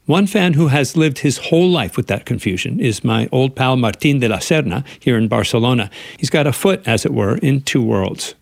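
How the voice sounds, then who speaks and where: A man's voice: medium pitch, expressive, normal speed, creaky, few pauses, no room sound, clean studio sound. A male radio correspondent delivering a scripted, playful feature report.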